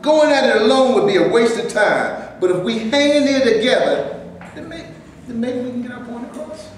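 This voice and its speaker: An actor in a staged reading playing an earnest, heated Black actor from the 1930s who wants justice. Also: male voice, very high-pitched, lively intonation, moderate pace. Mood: indignant. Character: Black male actor in the 1930s, indignant and determined. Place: stage before a live audience. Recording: very echoey room, faint noise.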